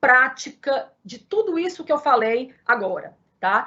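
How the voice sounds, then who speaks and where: A woman with a high voice talks fairly slowly. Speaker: invited speaker on mental health. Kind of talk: online talk.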